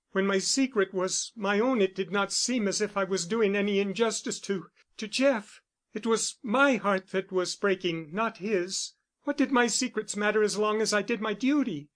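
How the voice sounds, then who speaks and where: A man voicing a young wife torn between duty and love, speaking in a high, earnest, pleading voice. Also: fairly bright tone. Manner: pleading, earnest, rising in pitch. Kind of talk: audiobook character voice.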